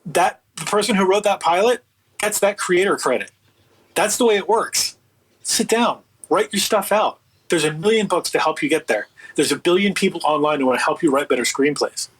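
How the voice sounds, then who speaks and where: A man with a slightly husky voice speaking as an interview guest in casual, emphatic, opinionated, rambling talk. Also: high voice, moderate pace, fairly bright tone, low-quality recording. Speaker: guest, audio producer and writer.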